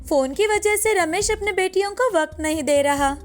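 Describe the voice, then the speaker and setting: Female storyteller, high and clear, steady explanatory narration for a kids' cartoon. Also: normal speed.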